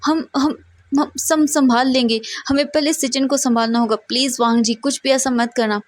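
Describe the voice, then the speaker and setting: A woman's voice: sits high, steady tone, moderate pace, dry recording, voice pushed up, close to an everyday voice. A woman voicing an anxious older father who stammers and repeats himself while pleading.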